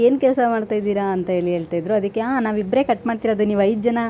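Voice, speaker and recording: Her pitch fairly high and its variation ordinary, a woman is speaking. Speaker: family vlogger. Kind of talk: vlog voice-over narration. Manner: softer in voice-over; loud when speaking directly.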